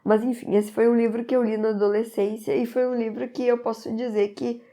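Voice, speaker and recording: A book reviewer from southern Brazil, slightly congested from a cold, recommends a book casually to camera in an eager, rambling way. Her voice is a little high and dark in tone, with a flat delivery and a fairly quick pace.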